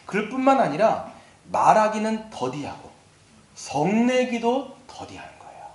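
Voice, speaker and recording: Animated high-voiced pastor, echoey church. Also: male voice, measured pace. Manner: lively and animated, acting out quoted attitudes. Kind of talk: sermon. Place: church sanctuary.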